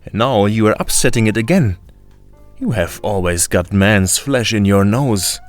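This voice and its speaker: Man voicing a shrewd old grandmother, storybook, hushed and coaxing, low voice. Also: animated, slow pace, faint music behind. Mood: scolding.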